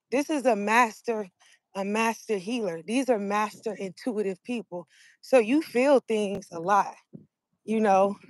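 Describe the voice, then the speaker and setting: A woman's voice: a little high, dry recording. A woman in her thirties from Texas with a Texan accent, chatting with viewers on a phone while walking outside. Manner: chatty, talks to viewers, explains numerology. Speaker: vlogger. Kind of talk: casual livestream chat. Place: outdoors on a sunny street. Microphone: phone held at arm's length.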